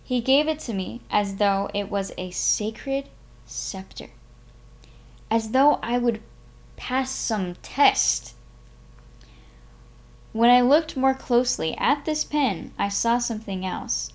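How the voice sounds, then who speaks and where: Slow-paced woman, expressive live-stream host. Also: fairly high pitch. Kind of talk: expressive audiobook-style reading and casual stream chat.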